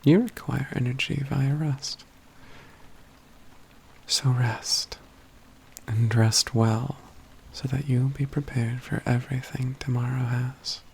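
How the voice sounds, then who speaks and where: Man voicing a slow, gravelly, hushed mage companion. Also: mid-range voice, steady tone, slight background noise, rough recording. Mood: gently reassuring. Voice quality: breathy, often near-whispered, gravelly. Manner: measured, formal phrasing, gently teasing. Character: wry, self-assured, caring mage companion, adult male. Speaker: ASMR roleplay performer. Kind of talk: soft-spoken ASMR fantasy roleplay acting.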